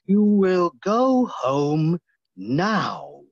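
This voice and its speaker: Man as a slow, hypnotic, menacing phantom. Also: high voice, huge pitch swings, no room sound, heavily acted. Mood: hypnotic command. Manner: slow, deliberate, commanding. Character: menacing hypnotic male opera ghost, commanding and sly. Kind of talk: stage play reading. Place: remote video call. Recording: dull, dry video-call audio.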